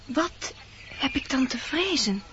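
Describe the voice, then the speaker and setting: An actress voicing an innocent, dreamy young maiden of the forest, speaking earnest lyrical verse in a radio play. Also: female voice, sits high, animated, slow, noisy background. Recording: dull old radio recording.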